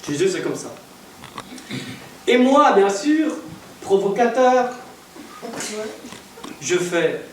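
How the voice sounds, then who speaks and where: High-voiced male evangelist in echoey hall. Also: slow pace, pauses often. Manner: lively, loud bursts, laughs and acts out dialogue. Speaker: evangelist preacher. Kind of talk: storytelling sermon. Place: church. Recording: echoey church hall from far off, faint hiss.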